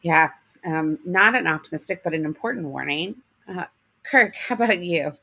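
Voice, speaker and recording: A woman hosts a reporters' roundtable, putting questions to the panelists and steering the discussion between topics. Her voice sits a little low for a woman. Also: animated, normal speed, creaky, bright, forceful tone, slightly rough. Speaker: moderator. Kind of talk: panel moderation.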